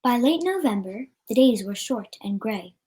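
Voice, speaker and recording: A woman's voice: a little high, expressive, normal speed, warm tone, a little hiss or hum. A woman reading a children's story aloud as a storyteller, with an occasional stumble over the words.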